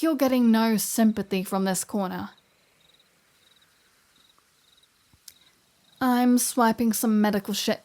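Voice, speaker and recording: A woman's voice: on the high side, lightly acted. A woman playing a flirty, sardonic vampire in a scripted ASMR roleplay audio drama, with breezy, sarcastic banter. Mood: teasing, casual.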